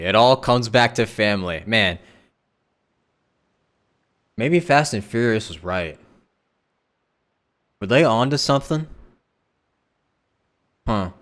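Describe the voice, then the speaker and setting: A man's voice: fairly low pitch, fairly bright tone. A man casually commenting while playing a story game on a live stream, chatty and joking. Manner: laid-back, joking, chatty.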